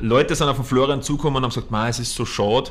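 A man speaks in an Upper Austrian accent. His pace is very fast and his intonation fairly even. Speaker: band guitarist and bandleader. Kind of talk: casual interview. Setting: hotel room.

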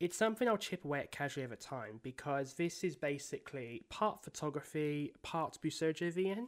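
This man speaks at a fairly high pitch. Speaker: solo gaming podcaster. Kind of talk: casual solo monologue. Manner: fast; hesitant, many fillers.

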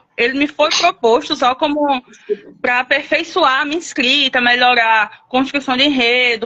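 Speech proceeds at a moderate pace. The pitch shifts by an ordinary amount. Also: woman. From Paraíba, northeast Brazil. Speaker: debut novelist. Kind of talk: casual interview. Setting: online live stream.

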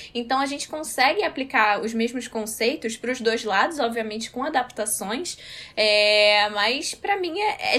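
This woman's voice is high-pitched, with a bright, sharp tone. Her intonation is lively. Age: 20s. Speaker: UX designer and computer science student. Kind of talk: casual interview.

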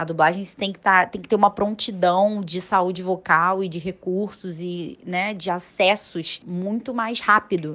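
Using an ordinary speaking voice, a woman talks at a fairly slow pace with fairly even intonation and hardly any pauses. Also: medium pitch for a woman, big swings in loudness. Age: 30s. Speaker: actress, singer, voice actor and speech therapist. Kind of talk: interview.

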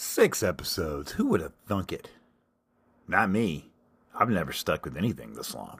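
Speaking with a Southern US accent, a man leaves long, frequent pauses. His tone is animated, and his loudness swings widely. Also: moderate pace. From US South. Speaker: podcast host. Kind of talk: casual comedic monologue. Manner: animated, humorous storyteller.

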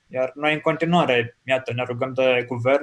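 At a moderate pace and with fairly even intonation, a man talks in a plain, everyday voice. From Romania, Piatra Neamț. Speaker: social media influencer. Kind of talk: casual chat.

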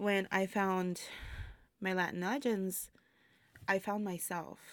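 She speaks in a Spanish accent at a medium pitch. Her intonation stays fairly even. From Mexico, Ciudad Juarez. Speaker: burlesque performer. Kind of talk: interview.

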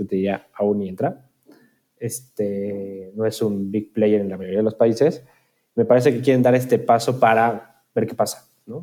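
A man with a Mexico City accent talks at a fairly slow pace and medium pitch. His tone is dark and mellow, with ordinary pitch variation. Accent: Mexico City (chilango). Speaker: podcast co-host. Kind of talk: casual chat.

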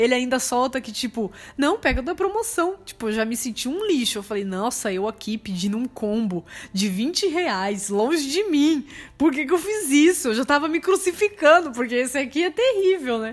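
A woman talks in a high pitch with very wide pitch swings. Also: moderate pace. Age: 20s. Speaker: podcast co-host. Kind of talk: casual chat. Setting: home, on a sofa.

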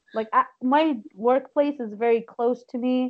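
With an Arabic accent, a woman talks at a very slow pace, her pitch varying in an ordinary way. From Middle East. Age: 20s. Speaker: romance author. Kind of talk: casual interview. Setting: remote call.

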